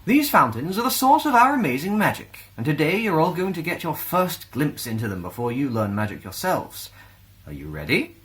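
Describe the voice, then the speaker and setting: Man playing a high, brisk strict schoolmistress. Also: big pitch swings, fairly bright tone. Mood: rousing. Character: brisk, strict female schoolteacher addressing her class.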